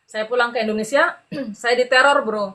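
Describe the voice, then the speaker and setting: A middle-aged woman telling her personal story as a podcast guest in an animated, chatty way, laughing often and acting out the voices of the people she quotes. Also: a little high, moderate pace. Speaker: podcast guest giving a testimony. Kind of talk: conversational storytelling.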